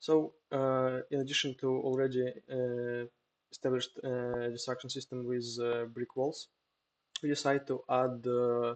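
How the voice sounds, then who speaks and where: A man with a non-native accent, medium pitch, fairly slow pace and fairly even intonation. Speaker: game lead at a mobile game studio. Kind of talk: conference talk presentation. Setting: online event recording with some audio issues. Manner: hesitant, many filler sounds.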